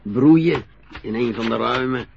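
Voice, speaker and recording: An older man with a Dutch accent, playing a retired merchant navy captain in a radio play, reminiscing slowly with a husky, chuckling voice. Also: medium pitch, lo-fi sound. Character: old retired sea captain, modest and a bit vain.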